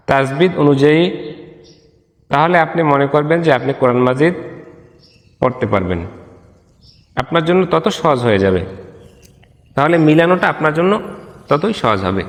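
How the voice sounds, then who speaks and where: Male Quran teacher, slightly high voice, patient letter-by-letter drilling, long reverb. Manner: spells out letters slowly, then chants verses in Arabic. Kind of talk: step-by-step Quran recitation lesson.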